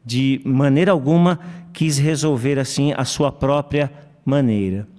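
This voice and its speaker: A man leading a congregation Bible study who speaks hesitantly, with fillers and pauses. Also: medium pitch, dark tone. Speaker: study conductor. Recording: hall reverb.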